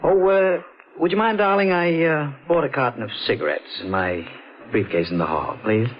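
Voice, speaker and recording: A man's voice: fairly high pitch, moderate pace, slight background noise, close to an everyday voice. An actor playing a mild, brooding husband in an old-time radio mystery, sometimes hesitant in his phrasing. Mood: playful, affectionate. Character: mild husband narrating his own unraveling, brooding and haunted. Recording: muffled old radio broadcast with music.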